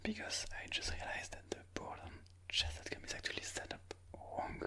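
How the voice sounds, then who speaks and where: An ASMR host giving chess commentary in a breathy, unvoiced whisper, explaining moves slowly and deliberately. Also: bright, forceful tone.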